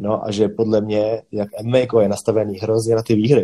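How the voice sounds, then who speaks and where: A man's fairly low voice in a dark, mellow tone with monotone, flat intonation. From Prague, Czech Republic. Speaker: MMA fighter. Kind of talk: casual interview.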